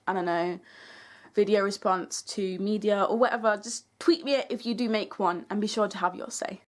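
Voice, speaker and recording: High-voiced young woman vlogger. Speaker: YouTuber, creator and host. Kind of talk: video essay to camera, semi-scripted.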